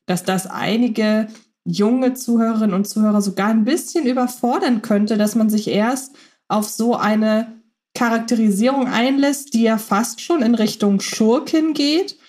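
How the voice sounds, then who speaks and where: A woman's voice: a little high, measured pace, darkish tone. Woman musing, hesitant podcast host. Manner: thoughtful, many filler sounds and hesitations. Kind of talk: casual analytical chat.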